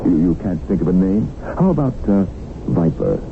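An actor playing a wry, unflappable rich man of about fifty held captive in a radio drama, speaking in a sardonic, deliberate way. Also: deep voice, big pitch swings, creaky, heavily acted. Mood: mocking. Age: middle-aged. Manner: sardonic, deliberate, drawn-out phrasing. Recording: tinny, hissy old radio recording.

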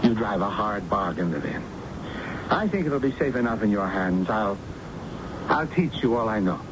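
An actor playing a wealthy older businessman in love, halting and earnest, in a radio drama. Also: lowish voice, big pitch swings. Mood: earnest, tender. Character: wealthy older businessman, pleading, lovestruck suitor. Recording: muffled, noisy old radio recording.

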